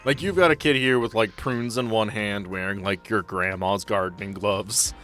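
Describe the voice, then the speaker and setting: A man acting as game master, improvising conversational scene narration in a halting way. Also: fairly low pitch, fairly bright tone, faint music behind.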